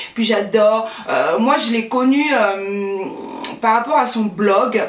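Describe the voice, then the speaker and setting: Ordinary pitch variation amid audible room echo and noticeable background noise. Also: woman. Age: 20s. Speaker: beauty youtuber. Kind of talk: casual vlog. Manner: hesitant, many fillers.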